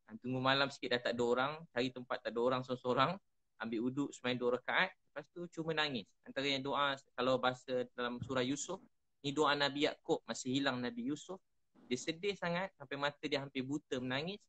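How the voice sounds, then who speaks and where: A man's voice: mid-range voice, fairly even intonation, fast talker, low-quality recording. Earnest Malaysian man giving religious advice. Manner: earnest, softly repeating prayers in a pleading tone. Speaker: religious teacher. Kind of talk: gentle religious advice in conversation. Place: live online session.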